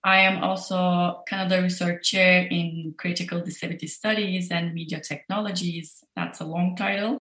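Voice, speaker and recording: A woman's voice: fairly low pitch, little pitch movement, normal speed, hardly any pauses, fairly bright tone, roomy sound. A woman in her early forties from Turkey, a professor, answering interview questions thoughtfully from her office. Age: early 40s. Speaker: professor and lab director.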